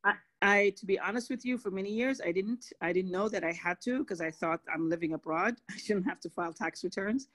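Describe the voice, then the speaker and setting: A woman's voice: medium pitch, brisk, few pauses, fairly bright tone. A woman in her forties, a Somali American caller on a video call, explaining her plans hesitantly with frequent restarts.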